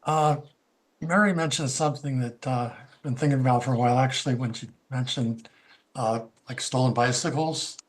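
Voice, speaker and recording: A man's voice: mid-range voice, moderate pace. Man on a video call making a rambling public comment, lots of fillers.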